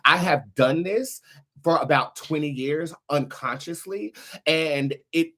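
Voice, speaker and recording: A man's voice: fairly high pitch, takes it slowly, a bit bright. A man hosting a casual livestream for his followers, chatting in an emphatic, slangy, sassy way. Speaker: tarot reader and online show host.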